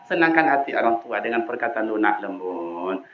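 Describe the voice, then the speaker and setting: A man preaching a sermon in a mosque with a Minangkabau accent, swinging between loud high calls and low quiet asides. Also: expressive, moderate pace, lo-fi sound.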